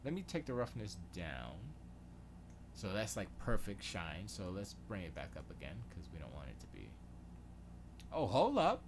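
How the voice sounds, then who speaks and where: Low-voiced man muttering while tinkering. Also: wildly swooping pitch, normal speed, vocal fry, noisy background. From Florida, USA. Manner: muttering to himself while tinkering, self-questioning, trailing off. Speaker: livestream host. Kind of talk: casual thinking-aloud livestream chat. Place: home studio.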